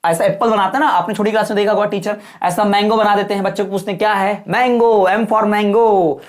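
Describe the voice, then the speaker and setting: A man's voice: sits high, steady tone, racing. Chatty man giving an exam-prep lecture. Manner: repetitive explaining with frequent rhetorical checks; folksy, addresses viewers as brother. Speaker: teacher.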